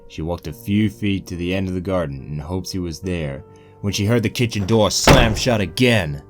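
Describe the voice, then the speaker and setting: A man's voice: low-pitched, normal speed, loud music behind the voice. A man reading a scripted story as its narrator. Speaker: narrator of a fan fiction reading.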